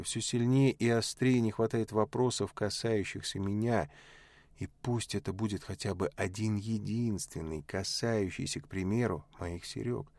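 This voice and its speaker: A man's voice: fairly low pitch, no room sound. Man reading as a musing young woman traveler. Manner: quiet reflective inner monologue. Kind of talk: audiobook reading.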